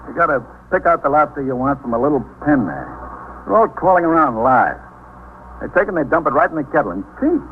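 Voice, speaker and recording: An actor playing a chatty police lieutenant in a 1950s radio drama. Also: male voice, on the high side, fast. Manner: chatty, animated. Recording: tinny old radio recording with faint hiss.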